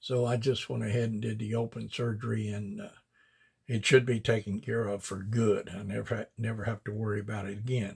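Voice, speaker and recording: This man speaks at a fairly quick pace in a fairly low, somewhat breathy voice. The recording is very clean, with a silent background. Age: 70s. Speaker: vlogger. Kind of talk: personal health advice vlog. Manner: casual, halting with fillers.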